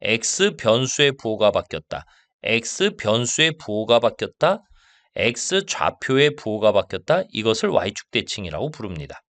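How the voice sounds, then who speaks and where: Man teaching math, lively pitch. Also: no echo. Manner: slow and stressed on key terms, asks checking questions. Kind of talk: lecture.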